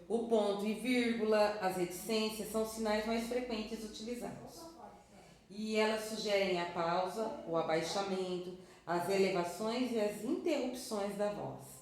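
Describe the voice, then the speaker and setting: A woman's voice: medium pitch, a little mellow. A woman teacher explaining a lesson in a recorded online class, with tag questions and self-corrections. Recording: very echoey room, faint background noise.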